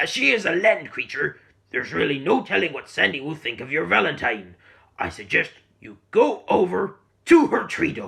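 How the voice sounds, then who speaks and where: Putting on a character voice, a man speaks in a raspy, fairly high tone at a moderate pace. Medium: read story. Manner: gruff, folksy.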